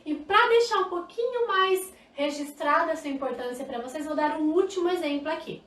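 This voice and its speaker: Uma mulher com sotaque brasileiro, dando uma aula online ao vivo de língua de sinais, animada e demonstrativa, falando direto com os espectadores. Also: female voice, high-pitched, fairly quick, roomy sound, distant mic. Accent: Brazilian Portuguese. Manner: lively, demonstrative, talks to viewers directly. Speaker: sign language teacher. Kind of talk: live online lesson. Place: indoor room, live stream.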